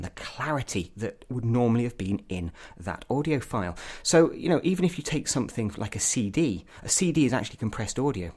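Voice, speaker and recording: A man's voice: mid-range voice, darkish tone. A man giving an opinionated gadget review as a tech reviewer, putting emphatic stress on key words.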